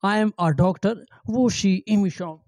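A middle-aged man giving an amateur language lesson, halting and repeating phrases with many fillers, speaking into a handheld microphone in a small room. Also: sits high, darkish tone, no echo, studio quality. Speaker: language teacher. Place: small indoor room with green backdrop.

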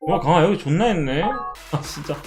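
A young man streaming a mobile baseball game, who swears a lot and shouts at his card upgrades. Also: a little high, lively intonation, normal speed, faint music behind. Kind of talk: live game streaming chat.

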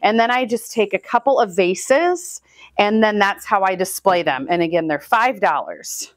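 In her thirties and from Northwest Iowa in the US Midwest, this flower farmer and channel host talks casually to the camera while building bouquets, upbeat and chatty. Her mid-range voice is animated at a moderate pace with no echo; a far camera records hands-free in an indoor room with flower buckets.

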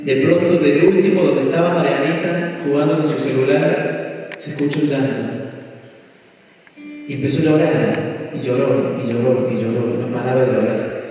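A man, preaching a sermon as an earnest, vivid storyteller with dramatic pauses. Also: medium pitch, steady tone. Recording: echoey hall, distant mic, soft music.

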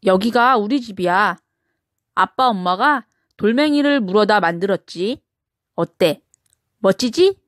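A woman's voice: medium pitch, expressive, measured pace, fairly bright tone, no echo, studio quality. A woman voicing a cheerful little boy penguin chick in a children's storybook reading. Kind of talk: storybook character voice.

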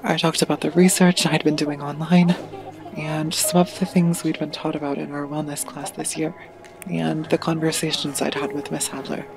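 A woman playing a withdrawn, troubled teenager narrating an audio drama, hesitant and confiding in a creaky voice. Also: low-pitched, level tone, moderate pace, music in the background, rough recording. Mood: subdued, dazed.

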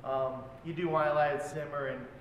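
A chef in his forties teaches a cooking class in a large indoor hotel function room, relaxed as he explains each step while working with his hands. His voice sits on the high side and moves fairly quickly. Picked up by a far-off camera, it sounds distant in an echoey hall with loud background noise.

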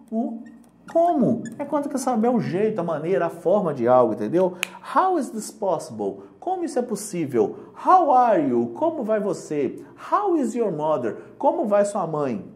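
A man with a Brazilian Portuguese accent teaching English for an exam in a casual, joking way. He reads English examples slowly and translates them. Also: high voice, a little mellow. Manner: casual, joking, keeps checking "entendeu?". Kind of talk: online lesson.

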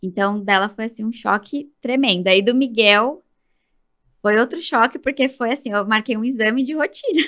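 A Brazilian woman in her thirties, a podcast guest, telling a story in an animated way and acting out the people in it. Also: a little high, moderate pace. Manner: animated, acts out quoted voices. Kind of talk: casual storytelling interview.

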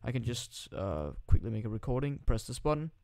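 A teenage boy from Denmark, who makes gaming videos on YouTube, adopts a put-on British accent for casual tutorial commentary over a screen recording, rambling and joking crudely into a new desktop microphone. His medium-pitched voice is gravelly and a little mellow, with big pitch swings and a fairly quick pace. There's no echo.

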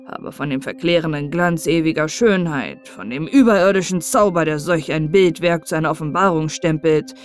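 A woman voicing a stately old male master sculptor in an audiobook fairy tale, speaking slowly in a cold, measured way. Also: deep voice, faint music behind, pitched below the performer's own voice, natural voice.

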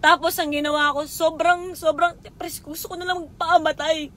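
A woman with a high voice pours out a raw personal confession, close to tears and swearing often. She speaks directly to the one she blames, with a faint low rumble behind her. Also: little pitch movement, a little fast, a bit bright.

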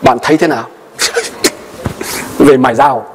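A male pastor preaching a sermon and telling a personal story with animated delivery, his voice often jumping high for emphasis. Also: slow, slight background noise. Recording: long hall reverb.

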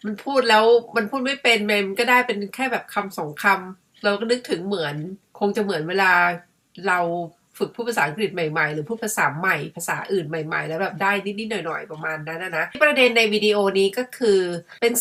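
A woman's voice: medium pitch, pushed and bright. A middle-aged woman from Thailand chatting casually to her viewers in a musing, talkative way. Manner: chatty, musing, refers to herself by her own nickname. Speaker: vlogger. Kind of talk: casual chat to camera.

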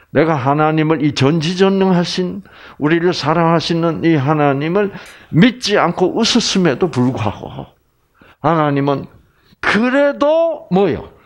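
A man giving a lively, teasing Bible lecture who keeps asking his audience questions. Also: fairly high pitch, measured pace.

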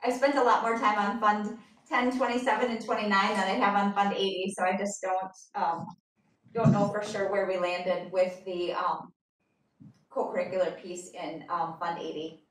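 A woman's voice: medium pitch, little pitch movement, normal speed, distant mic. Hedging woman on an echoey video call. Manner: careful, hedging, with frequent ums. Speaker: district finance staff presenting the budget. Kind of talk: explaining budget details at a board meeting.

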